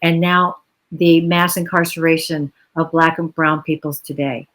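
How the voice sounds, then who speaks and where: A woman's voice: low voice, level tone, a little slow, fairly bright tone, low-quality recording. A woman from the United States speaking on a virtual panel over a video call, earnest and reflective, with long flowing explanations.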